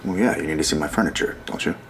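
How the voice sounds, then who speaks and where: An actor playing a confident, wealthy young surgeon who talks coolly and teasingly. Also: male voice, extremely low pitch, rapid-fire, fairly bright tone, slight background noise. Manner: cool, teasing, self-assured. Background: music.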